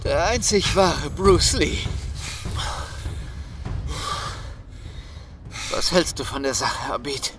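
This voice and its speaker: A man's voice: fairly high pitch, animated, unhurried. An actor playing a wary young man from a street gang in an audio drama. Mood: subdued. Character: wary young male gang member on the run. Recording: loud background ambience and noise.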